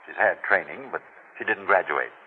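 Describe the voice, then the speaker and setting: An actor voices an older wealthy client in 1940s radio drama, making him stubborn, insistent, blunt and commanding. Heard through a thin, narrow-band old radio recording with a little hiss or hum, he speaks in a low voice at a normal pace.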